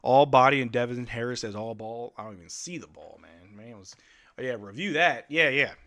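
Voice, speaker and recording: Excitable man calling a game on stream. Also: medium pitch, a little fast. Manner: excitable, joking fan reacting to chat. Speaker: livestream host. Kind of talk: live play-by-play watch-along commentary.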